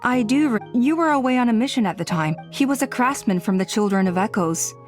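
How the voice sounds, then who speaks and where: A woman playing a composed, diplomatic tribal elder in a video game, speaking in a measured, formal, placating way. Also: on the high side, expressive, soft background music, close to an everyday voice.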